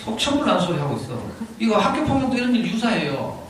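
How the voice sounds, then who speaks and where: A middle-aged man with a Gyeongsang accent tells a personal story to an audience, animated and laughing often as he talks. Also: high voice, quick pace, a crowd in the background. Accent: Gyeongsang (Daegu). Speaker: parent speaking at a parenting lecture. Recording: echoey hall, distant mic, audible room noise.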